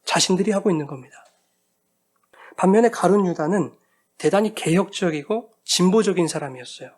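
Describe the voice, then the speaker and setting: Brief: male preacher with a high voice, emphatic, asks the congregation questions. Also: animated, brisk, darkish tone. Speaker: pastor. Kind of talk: sermon.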